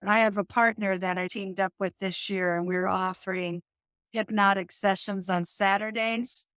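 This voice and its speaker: Animated middle-aged woman with a dry sound. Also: mid-range voice, normal speed, clean tone, no room sound. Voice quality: calming voice. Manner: animated, laughs often, restarts sentences. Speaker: guest, yoga teacher and hypnotist. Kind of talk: conversational interview.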